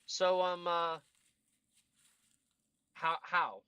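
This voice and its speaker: A man's voice: high-pitched, drawn-out words, bright, forceful tone, smooth, no room sound, dull audio. A man co-hosting a live stream, joking around and stammering through his sentences with lots of fillers. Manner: stammering, filler-heavy, playful. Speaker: co-host. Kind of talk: casual live stream banter.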